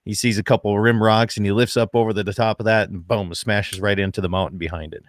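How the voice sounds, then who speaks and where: A man hosts an outdoors radio show from the front porch of his ranch. He has a lowish voice and swings between folksy, easygoing joke-telling and a loud, upbeat on-air delivery. His sound is close and dry. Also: steady tone, fast, no echo. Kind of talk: casual chat, then radio show opening.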